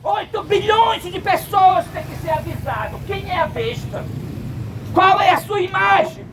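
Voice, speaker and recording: A man with a Brazilian accent preaching an emphatic open-air sermon that rises into shouts. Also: very high voice, expressive, unhurried. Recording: distant mic, loud street traffic.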